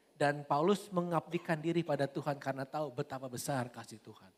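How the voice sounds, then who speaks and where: A man speaks at a fairly quick pace. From Indonesia, Bandung (West Java). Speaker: pastor. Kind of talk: sermon.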